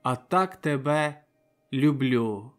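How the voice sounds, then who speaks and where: A grave young villager in an audiobook, voiced by the male narrator close to his own voice, with words dropped slowly and heavily, one by one. Faint music plays underneath. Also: medium pitch, lively intonation. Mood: grave, tender. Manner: terse, heavy, halting.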